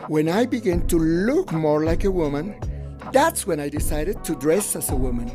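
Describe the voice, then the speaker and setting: A man's voice: on the high side, animated, normal speed, over music, lightly acted. A man voicing an older gay Mexican hairstylist in a conversational, frank voice-over of personal memories. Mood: frank, reminiscing. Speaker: English voice-over translator of interviewee. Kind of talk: first-person dubbed storytelling.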